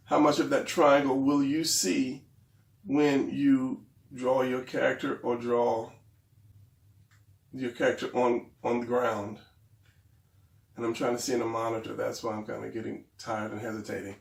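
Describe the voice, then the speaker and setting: Male drawing instructor, gravelly and a bit stuffy, rambling and hesitant, recorded off-mic in a roomy space. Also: medium pitch, little pitch movement, unhurried, pauses often, distant mic. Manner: hesitant, rambling, self-deprecating. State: losing his voice, a little stuffy. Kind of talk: casual drawing tutorial.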